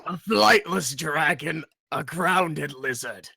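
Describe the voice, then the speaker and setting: Huge disdainful dragon, audio drama: forceful, gravelly dragon voice, unhurried menace, very dry sound. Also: male voice, animated, dry recording, heavily acted. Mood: scornful taunting. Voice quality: gravelly, booming. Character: huge ferocious old green male dragon, disdainful, menacing. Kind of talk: dramatic audio story acting.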